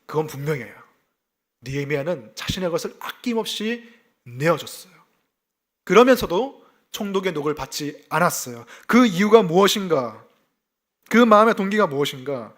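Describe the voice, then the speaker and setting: A man's voice: a little high, moderate pace. A male pastor from South Gyeongsang delivering an expository sermon, explaining scripture and telling personal stories, often asking his listeners rhetorical questions. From South Gyeongsang, South Korea. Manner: lively expository preaching with personal anecdotes; asks the congregation rhetorical questions.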